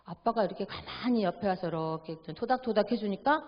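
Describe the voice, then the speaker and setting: A middle-aged woman giving a church family seminar talk. She acts out family dialogue in a lively way and keeps asking the audience to agree. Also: mid-range voice, quick pace. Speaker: seminar lecturer. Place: church hall. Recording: echoey hall, dull audio.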